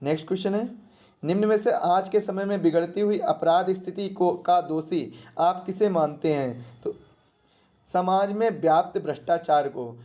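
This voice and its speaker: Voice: medium pitch, moderate pace, warm tone. A teacher giving a question-and-answer exam lesson in a didactic way, repeating questions and answers and posing rhetorical questions.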